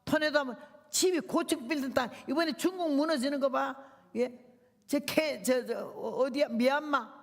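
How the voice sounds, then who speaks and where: An older woman, a visiting missionary, preaching a revival sermon in a fiery, emotional, rambling way. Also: high voice. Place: church sanctuary. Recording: long church hall reverb.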